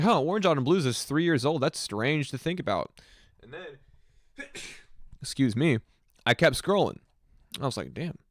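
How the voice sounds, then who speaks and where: A man's voice: mid-range voice, dry recording, studio quality. Rambling young man on a livestream. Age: 20s. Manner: rambling, reflective, filler-heavy. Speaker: music streamer. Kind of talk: casual livestream chat.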